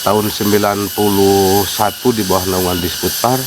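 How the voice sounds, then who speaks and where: A low-pitched man delivers his words flatly at a moderate pace against a noisy background. He's a West Javanese site guide with a Sundanese accent who explains unhurriedly and leans on many fillers, in a casual interview outdoors at a wooded sacred site.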